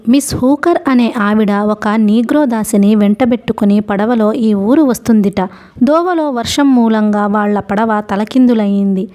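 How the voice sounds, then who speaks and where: Woman voicing a young boy, earnest, pleading, mellow voice, storybook. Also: medium pitch, close to an everyday voice. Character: resourceful young boy, quick fibber.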